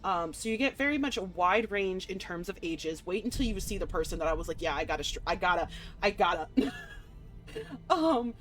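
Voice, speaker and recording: Excitable woman livestreamer over music. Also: lowish voice, brisk. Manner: excitable, gushing, playful; slangy, swearing. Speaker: live game streamer. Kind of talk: casual livestream chat to viewers. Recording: music behind the voice.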